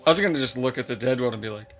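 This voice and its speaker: A man's voice: medium pitch, racing, music in the background. A man chatting casually and jokily as a player in a tabletop role-playing game.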